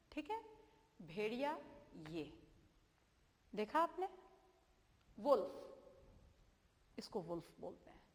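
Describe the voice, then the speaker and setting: A woman's voice: fairly high pitch, big-room sound. A woman teaching children, patiently repeating and spelling words out, checking in with them often. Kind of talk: children's vocabulary lesson.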